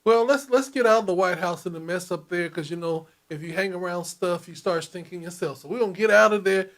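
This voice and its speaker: A man with a notably high voice hosts a talk program. He keeps the chat folksy and throws in jokes. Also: brisk, a bit bright. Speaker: talk show host. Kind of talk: casual chat.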